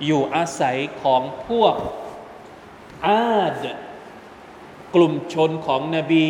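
A man's voice: a little high, a little mellow. A man giving a religious lesson, explaining pronunciation step by step and quizzing his listeners. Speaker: Quran commentary teacher. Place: mosque hall. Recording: echoey hall with long reverb, faint background noise.

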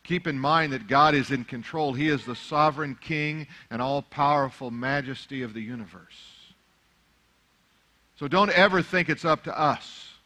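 A man's voice: medium pitch, normal speed, sharp tone. A middle-aged man whose first language is Arabic, preaching a sermon that moves from easy conversational remarks to fervent, rising exhortation. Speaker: pastor.

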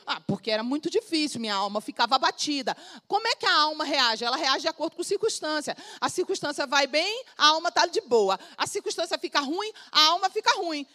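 A woman pastor with a Brazilian Portuguese accent drives home her points through emphatic repetition. Her high, bright voice leaps around with lively swings in pitch. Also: fairly quick, few pauses. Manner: emphatic, repetitive, animated preaching. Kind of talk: sermon.

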